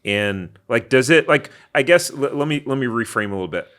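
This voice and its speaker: A man's voice: mid-range voice, lively intonation, fairly quick, fairly bright tone. A man hosting a podcast, asking questions in a hesitant way and reframing them as he goes. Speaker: podcast host. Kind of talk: casual interview questions.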